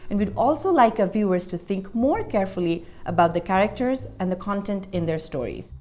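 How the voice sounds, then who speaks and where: A woman presents a scripted promotional message in a mid-pitched voice. Her intonation is lively and varied as she narrates for an educational cause. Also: fairly quick. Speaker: presenter for a read-aloud initiative.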